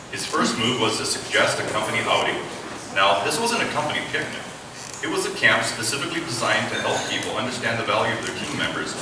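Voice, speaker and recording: A man giving a public talk and reading from his own book to a live audience, addressing listeners directly as an author and host. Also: on the low side. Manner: rhetorical questions to listeners. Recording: very echoey, noisy room from far off.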